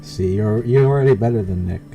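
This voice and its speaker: A man's voice: lowish voice, brisk, warm tone, muffled recording. A man live-streaming a game, chatting casually and informally. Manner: informal, laughs easily. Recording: game music behind voice.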